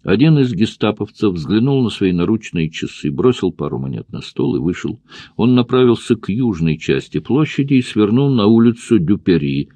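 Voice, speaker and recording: Male audiobook narrator, thriller, steady measured reading, very deep voice, dry close studio sound. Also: slightly rough, no room sound, highs cut off. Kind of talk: scripted narration of a thriller novel.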